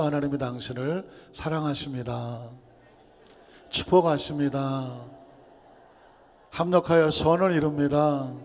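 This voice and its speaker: A man's voice: mid-range voice, darkish tone. A man preaching a Sunday sermon as pastor, telling a story and asking the congregation questions. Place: church sanctuary. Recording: long hall reverb in a church.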